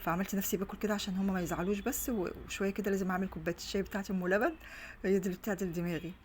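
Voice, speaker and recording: A woman's voice: medium pitch, steady tone, very fast, darkish tone, slight background noise. A middle-aged Egyptian woman and mother chatting casually through a home vlog, rambling with many restarts, recorded on a phone on a stand. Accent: Egyptian Arabic. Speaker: vlogger and mother. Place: her home, indoors.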